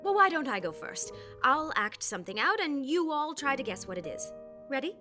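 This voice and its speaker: An actress playing a genteel, anxious society hostess in an audio drama, gracious and theatrical in manner. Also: female voice, high voice, sing-song, moderate pace, over music. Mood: brightly gracious.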